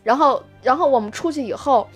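A woman telling a travel story in casual chat, animated and laughing often. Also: sits high, fairly quick, husky, faint music behind. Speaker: guest storyteller.

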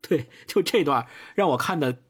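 A man's voice: moderate pace, husky. A man co-hosting a book discussion podcast, talking casually and reading a novel passage aloud with expression. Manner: expressive reading, animated pitch. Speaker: podcast co-host.

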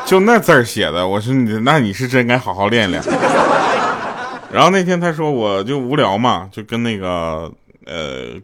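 A man, casually telling jokes and funny stories to his audience, laughing often and acting out dialogue in raised voices. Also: on the low side. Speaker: livestream host telling jokes. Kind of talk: casual comic storytelling. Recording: loud background noise with clicks.

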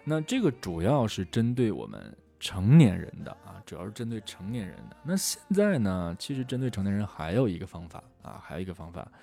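A middle-aged man teaching how to memorize English words, lively and full of rhetorical questions. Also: low-pitched, gravelly. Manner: lively, rhetorical questions, often asks "right?". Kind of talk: lecture on memorizing vocabulary.

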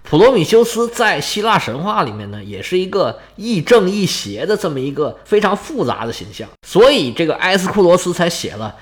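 Male storyteller, lively and colloquial, humorous myth-telling, expressive swings. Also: high-pitched, fairly quick, hardly any pauses. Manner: colloquial, lively, jokey asides.

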